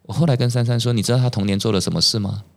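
As a guest on a podcast, a middle-aged man with a Taiwanese Mandarin accent tells personal stories in conversation, animatedly acting out the dialogue he quotes. He talks very fast, in a medium-pitched, creaky voice.

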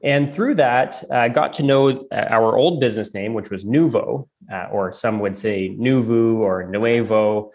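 A man's voice: fairly low pitch, unhurried, hardly any pauses, darkish tone. A man from Calgary, Canada, a guest on a podcast, answering in a friendly way with hesitant restarts. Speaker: guest, operations executive. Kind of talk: casual interview answers.

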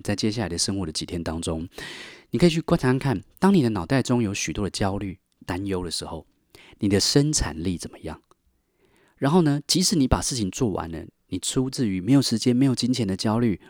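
A male life coach with a fairly low voice, teaching and telling a story. He keeps asking his listeners rhetorical questions and then answering them. The recording is dry and close, with little room sound. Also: no echo.

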